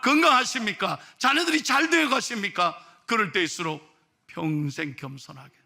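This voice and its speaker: Animated pastor with a gravelly voice. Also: male voice, sits high. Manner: storytelling, exhorting, animated. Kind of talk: sermon.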